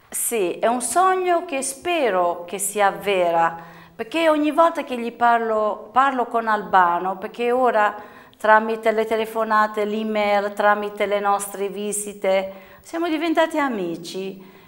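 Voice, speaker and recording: A woman's fairly high voice with lively intonation, a fairly slow pace, and a quiet background. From Apulia, Cassano delle Murge; Apulia, Italy. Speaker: Italian community organizer; guest. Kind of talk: interview. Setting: studio. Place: studio.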